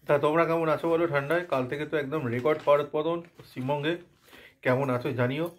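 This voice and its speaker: A man with a slightly hoarse voice from a cold, chatting casually with his viewers in a home vlog. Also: on the high side, steady tone, quick pace. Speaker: vlogger.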